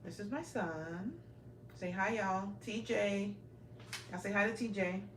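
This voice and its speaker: A woman in her forties, raised in Brooklyn, hosting a casual live-stream tour of her home and chatting straight to her viewers on a handheld phone. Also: medium pitch. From raised in Brooklyn, New York. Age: 40s. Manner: chatty, keeps addressing viewers directly. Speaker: livestream host. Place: indoor home, small rooms. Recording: roomy home audio, faint noise.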